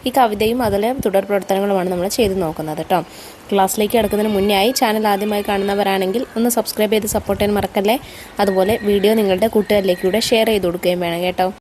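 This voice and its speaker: A woman teaching young children online, speaking at a middle pitch. She keeps asking them questions and slows right down to recite poetry line by line. A faint hiss sits under her voice. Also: steady tone. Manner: addresses children warmly with questions, recites the poem slowly. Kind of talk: online class lesson.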